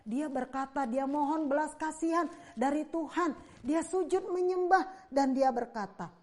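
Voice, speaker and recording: A woman from Indonesia, a Sunday school teacher, telling a Bible story to children in a lively way, with sound effects and questions to her listeners. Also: high voice, unhurried.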